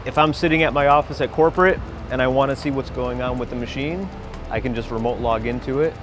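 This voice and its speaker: A man talks through safety equipment on a big factory floor, energetic and eager. A lapel mic picks him up cleanly, with music playing underneath. His pitch sits in an ordinary middle range. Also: fast talker. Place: large factory floor indoors. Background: background music.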